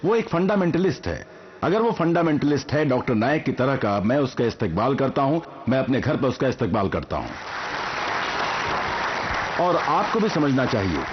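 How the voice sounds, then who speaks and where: An older man from Sindh, presiding at a public lecture, gives a formal address in an earnest, measured way, speaking in short phrases. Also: mid-range voice, husky, muffled recording.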